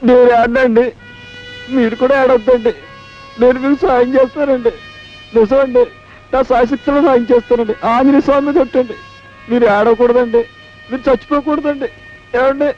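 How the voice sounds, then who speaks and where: An actor playing a meek, kind-hearted village constable who talks in a deferential, pleading way. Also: male voice, extremely high pitch, little pitch movement, moderate pace, pauses often. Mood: soothing. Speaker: police constable. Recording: dull old film soundtrack with music.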